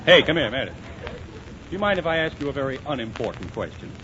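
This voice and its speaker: A man hosting a 1930s radio comedy show, with brisk, wisecracking emcee patter. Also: mid-range voice, very animated, highs cut off. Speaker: host. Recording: scratchy 1930s radio broadcast with hiss.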